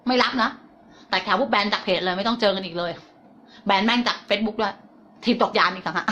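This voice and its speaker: A woman's voice: medium pitch, a little fast, bright, forceful tone, a little hiss or hum. A middle-aged woman teaching a motivational self-help lesson, blunt and coarse, sprinkling polite particles through her talk.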